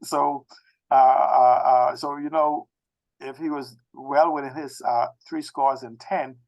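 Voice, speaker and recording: Halting Bahamian man in his sixties. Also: medium pitch, fairly even intonation, darkish tone, dull audio. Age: 60s. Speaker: interview guest, technology expert. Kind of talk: conversational autobiographical interview talk.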